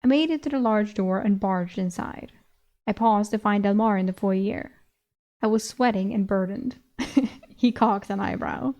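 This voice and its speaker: A young Swedish woman, speaking with her native Swedish accent, reads a fantasy novel aloud and pauses between passages to chat, giggling and breaking into laughter. Her voice is warm, medium-pitched and measured in pace.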